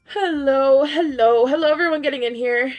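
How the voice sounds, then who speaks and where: A woman game streamer with a slightly raised, bright-ish pitch and a voice gone a little hoarse from long streams. She chats loosely with viewers, laughing between thoughts and leaning on "um", with soft game music in the background. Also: normal speed, muffled recording. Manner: chatty, laughs often, many "um" fillers. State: slightly hoarse, losing her voice. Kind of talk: casual live-stream chat.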